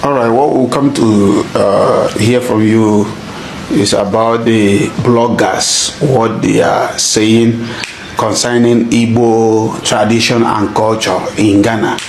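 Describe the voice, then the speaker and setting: A male interviewer with a low voice puts his questions in a measured, conversational tone. He is recorded in an echoey room with faint background noise. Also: flat delivery.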